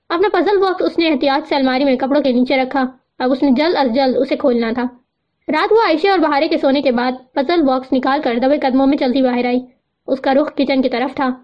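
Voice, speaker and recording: High-voiced woman reading a novel. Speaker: audiobook narrator. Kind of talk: novel read aloud. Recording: muffled lo-fi recording.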